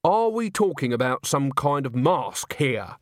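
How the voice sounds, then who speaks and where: A man's voice: mid-range voice, sing-song, measured pace, dry recording, studio quality. A man voicing a sensible woman who is puzzled, rational and matter-of-fact in her questioning. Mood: sceptical.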